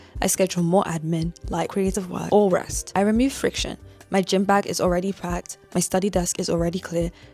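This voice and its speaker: Music plays behind a woman's voice. She speaks with monotone, flat intonation. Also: medium pitch for a woman, fairly quick pace. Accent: London. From London, England. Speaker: university student and content creator. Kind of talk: motivational talk to camera.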